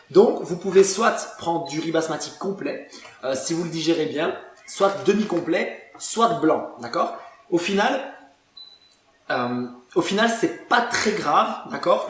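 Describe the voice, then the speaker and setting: A man's voice: a little high, echoey room. A man from Belgium with a Liège accent, hosting a casual nutrition cooking show, talking with many fillers and now and then bursting into emphatic exclamations. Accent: Belgian French, Liège. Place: kitchen with people around.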